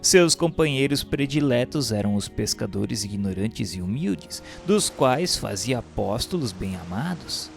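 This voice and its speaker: A man's voice: mid-range voice, expressive, measured pace, vocal fry, few pauses, soft background music. A man with a Brazilian accent narrating a religious text in a solemn, formal, declamatory manner.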